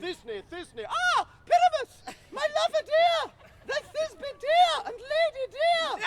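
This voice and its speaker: This put-on character voice is squeaky and in falsetto, moving at a fairly slow pace with very wide pitch swings. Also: man, extremely high pitch for a man. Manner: melodramatic, lovesick.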